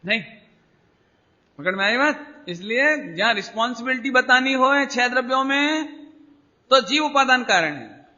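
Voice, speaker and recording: A man delivers a religious discourse in a strikingly high, bright and cutting voice. He teaches by prodding his audience with questions and slipping into little acted-out quotes of ordinary people. The recording is muffled and lo-fi. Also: expressive, unhurried, long pauses. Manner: keeps quizzing the audience with rhetorical questions; acts out everyday people in quoted asides. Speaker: spiritual teacher.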